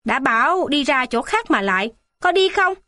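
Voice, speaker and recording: A woman voicing a stern male hospital gate guard in a children's storybook, in a gruff scolding manner. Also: fairly high pitch, expressive, moderate pace, dry recording, studio quality. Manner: gruff scolding, softening later.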